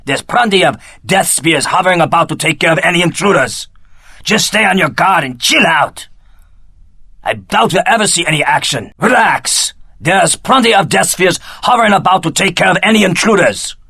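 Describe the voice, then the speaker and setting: A man playing a laid-back, greedy guard in a video game, slangy and casual in a high, scratchy, creaky voice. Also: expressive, moderate pace, sharp tone, no room sound, exaggerated voice. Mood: bored, dismissive.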